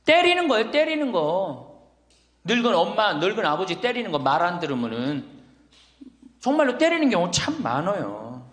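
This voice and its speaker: Lively man lecturing in an echoey hall. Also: high-pitched, moderate pace. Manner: lively, teasing, rhetorical questions to the audience. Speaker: Catholic priest giving a lecture. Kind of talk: humorous lecture to elderly audience. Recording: echoey hall with long reverb.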